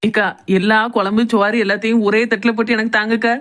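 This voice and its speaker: A woman's voice: a little high, little pitch movement, quick pace, fairly bright tone, lightly acted. A woman voicing a playful, teasing young village woman with a Tirunelveli Tamil accent who is fond of food.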